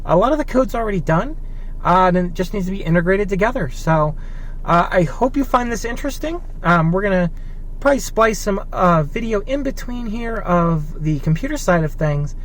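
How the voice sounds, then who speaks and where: A man's voice: high voice, expressive, moderate pace, slight background noise. A man talking casually and enthusiastically to viewers as he demonstrates and updates a tech project. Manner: enthusiastic, conversational. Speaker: tech video creator.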